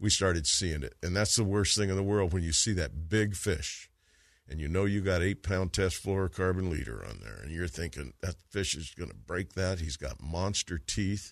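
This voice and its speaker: A man's very deep, low voice with an American accent, ordinary pitch variation and a moderate pace over a quiet background. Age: old. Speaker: radio host. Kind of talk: radio fishing show chat. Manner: animated.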